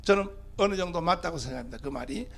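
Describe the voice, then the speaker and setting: A man's voice: on the high side, lively intonation, fast talker, fairly bright tone. A man, a pastor giving a fiery rally speech, pressing the crowd with rhetorical questions. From Gyeongsang region, Korea.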